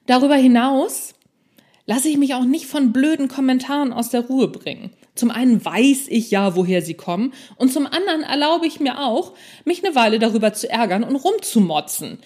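A woman's voice: sits high, animated, normal speed, darkish tone. A woman hosting a solo podcast in an informal, conversational way, addressing the listener directly with self-deprecating humour. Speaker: podcast host and non-fiction author.

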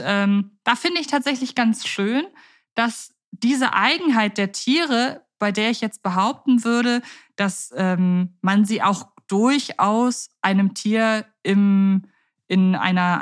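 A woman co-hosting a podcast in casual chat, talking in a lively, chatty way with quick laughs. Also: medium pitch. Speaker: podcast co-host. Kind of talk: casual chat about radio plays.

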